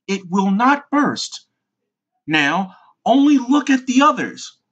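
Storybook mother duck, put on by a narrator: tired, fussy and proud, pitched up, swooping and unhurried. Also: very animated, fairly bright tone, lo-fi sound, heavily acted. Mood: weary, fretful.

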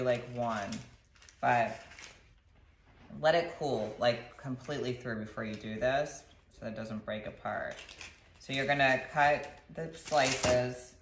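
Low-voiced woman chatting in her kitchen. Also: a little hiss or hum. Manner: relaxed, chatty instructions with fillers. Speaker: doctor sharing recipes. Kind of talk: casual cooking demonstration. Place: home kitchen, indoors. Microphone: camera across the kitchen counter. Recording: echoey kitchen, slightly distant.

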